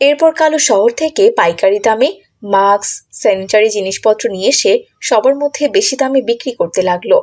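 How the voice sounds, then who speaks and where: A woman's voice: mid-range voice, fairly quick. A woman giving scripted narration for a cartoon story.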